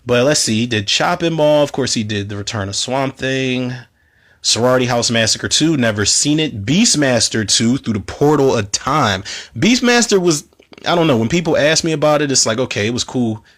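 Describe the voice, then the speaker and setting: Man, slightly hoarse, loose profane chatter, film commentary host, middling pitch. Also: expressive, moderate pace, fairly bright tone. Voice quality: rambling, profane, self-interrupting. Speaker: movie commentary podcast host.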